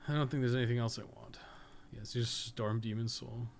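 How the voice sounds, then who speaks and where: A man's voice: medium pitch, fairly even intonation, brisk, gravelly, a little hiss or hum. A man giving casual, rambling gameplay commentary on a stream, swearing and muttering asides to himself as he plays. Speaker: podcast co-host playing a game on a live stream.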